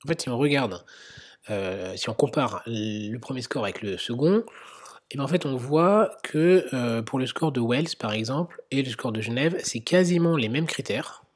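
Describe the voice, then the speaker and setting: Husky-voiced man explaining medical guidelines. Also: medium pitch, expressive, normal speed. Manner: explanatory, frequent hesitations, occasional whispered asides. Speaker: medical lecturer. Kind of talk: slide lecture on medical guidelines.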